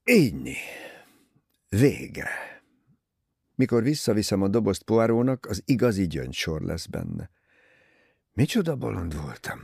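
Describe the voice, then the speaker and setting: A man's voice: fairly low pitch, wildly swooping pitch, creaky, long pauses, dark tone, breathy edge, dry recording, studio quality, full character voice. A man playing an impulsive, self-mocking young man. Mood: rueful.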